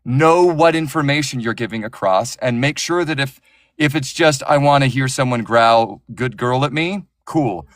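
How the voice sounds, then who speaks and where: A man's voice: medium pitch, moderate pace, fairly bright tone, no echo, clean studio sound. A man who narrates audiobooks, talking passionately and with strong opinions in a casual interview, often restarting his sentences.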